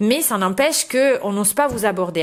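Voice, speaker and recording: A woman speaks at a fairly high pitch with ordinary pitch variation. Noticeable background noise can be heard. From Italy. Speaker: interviewee, beauty blogger. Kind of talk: interview.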